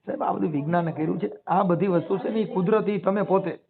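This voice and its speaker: A man's voice: high-pitched, quick pace, vocal fry, a crowd in the background. A man with a Saurashtra Gujarati accent explains his views emphatically on a phone call, asking rhetorical questions in colloquial speech. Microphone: telephone. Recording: muffled narrow-band phone call recording.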